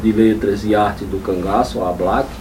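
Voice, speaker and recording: With noticeable background noise and audible room echo, a man talks at a medium pitch with ordinary pitch variation. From Brazil, Paraíba (Pocinhos). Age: 60s. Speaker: historian and author. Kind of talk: lecture. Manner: formal.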